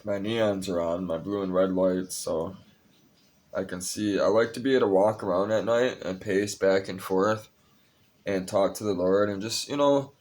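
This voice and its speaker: A man's voice: low-pitched, moderate pace, a little mellow. A young man talking casually and confessionally to his vlog audience, rambling, cursing freely and sounding tired. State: tired, a bit high. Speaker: vlogger. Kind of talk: casual personal vlog talk.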